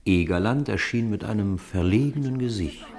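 A man narrating a children's audio drama in an expressive storytelling manner. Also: lowish voice, moderate pace.

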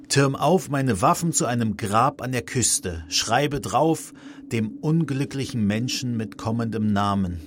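An actor playing an unhappy dead sailor's pleading shade, reciting plaintively in a radio play of epic verse. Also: male voice, lowish voice. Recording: clear background noise.

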